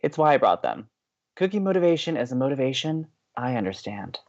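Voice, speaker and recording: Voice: mid-range voice, sing-song, a little fast, darkish tone, no echo, highs cut off. An actor playing a playful, sociable college radio co-host who banters earnestly and teasingly with theatrical emphasis.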